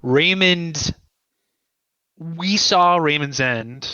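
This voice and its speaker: A man being interviewed as a guest writer, explaining his ideas conversationally in a thoughtful, halting way and often checking in with "right?". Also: on the high side, bright, forceful tone, clean tone, muffled recording.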